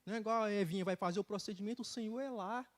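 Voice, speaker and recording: Middle-aged man, high voice, lively preaching testimony with casual asides. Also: rapid-fire. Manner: animated storytelling with laughter and colloquial asides. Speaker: church speaker giving a testimony. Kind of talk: sermon testimony. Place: church sanctuary.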